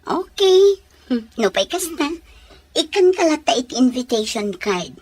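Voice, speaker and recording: A gracious young bride-to-be , played by a woman in an audio drama, with an Ilocano Filipino accent. She sounds cheerful and high in pitch, in a dry, echo-free recording. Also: big pitch swings, unhurried, husky, exaggerated voice. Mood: gracious, happy.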